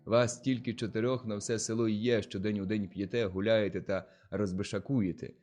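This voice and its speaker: A bossy older village head barks orders and insults, as a male narrator puts him on. The voice is low and blustering. Faint music runs beneath. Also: little pitch movement, brisk, a little mellow, natural voice. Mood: angry.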